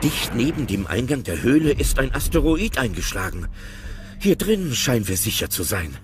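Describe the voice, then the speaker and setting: A man narrating an audio play, describing the action in an animated storytelling way. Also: medium pitch, normal speed, over music.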